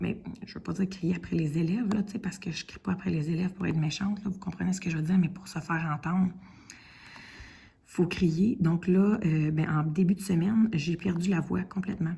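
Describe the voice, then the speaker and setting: In a Quebec accent, a woman speaks with fairly even intonation. Her tone is dark and mellow and somewhat breathy. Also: fairly quick pace. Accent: Québécois French. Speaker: diamond painting YouTuber and substitute teacher. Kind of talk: casual vlog chat. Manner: hesitant, many fillers.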